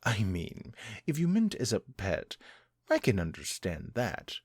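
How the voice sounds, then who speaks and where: A man voicing a cruel male vampire master who taunts his captive in slow, menacing speech that sinks into whispers. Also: fairly low pitch, huge pitch swings, breathy edge, no echo, clean studio sound, heavily acted. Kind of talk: audio drama acting.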